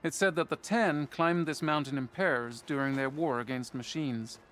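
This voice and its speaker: An actor playing a stern but fair tribal soldier commander in a video game, speaking in a measured, matter-of-fact way. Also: male voice, on the high side, a bit bright, natural voice. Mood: explanatory. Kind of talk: video game character acting.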